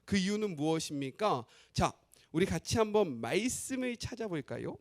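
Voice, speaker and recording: Animated high-voiced male pastor preaching. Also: normal speed. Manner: animated, asks the congregation frequent questions. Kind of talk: sermon.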